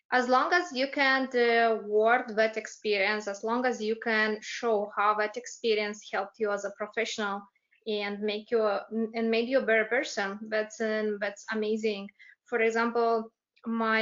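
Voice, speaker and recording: This woman talks at a moderate pace with a Moldovan accent. Her pitch is fairly high, and her intonation is monotone and flat. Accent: Moldovan Romanian accent in English. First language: Romanian. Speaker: dental student advisory committee member. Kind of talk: webinar panel answering questions. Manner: halting, many fillers and restarts.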